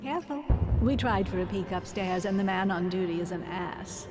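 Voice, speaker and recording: A woman's voice: mid-range voice, expressive, moderate pace, close to an everyday voice. Woman as a swooping, flirtatious society lady. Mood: arch, gossipy. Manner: arch, playful, coquettish. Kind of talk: video game character dialogue. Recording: echoey hall, music behind.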